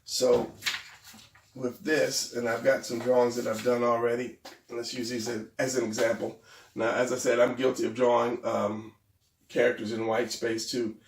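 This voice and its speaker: Male drawing instructor, gravelly and a bit stuffy, rambling and hesitant, recorded off-mic in a roomy space. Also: medium pitch, little pitch movement, normal speed, far from the mic, slight background noise. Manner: hesitant, rambling, self-deprecating. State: losing his voice, a little stuffy. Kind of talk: casual drawing tutorial.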